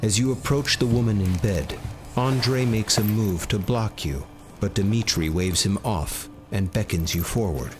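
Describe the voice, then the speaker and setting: Man, narrator, low pitch, steady measured reading, faint music behind. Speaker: game narrator. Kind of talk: scripted story narration.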